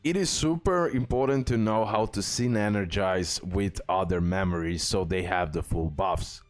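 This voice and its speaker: Low-voiced man casually explaining a game. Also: unhurried. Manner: explanatory, repeatedly checking in with "okay?". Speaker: game guide host. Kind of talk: casual off-the-cuff game tutorial. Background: music.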